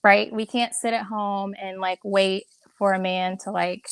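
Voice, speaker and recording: A woman's voice: mid-range voice, level tone, measured pace, clear, resonant tone, dry recording. A woman with a mid-range voice speaks earnestly, building her point step by step. The recording is dry and close. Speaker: caller. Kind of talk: casual live-audio chat.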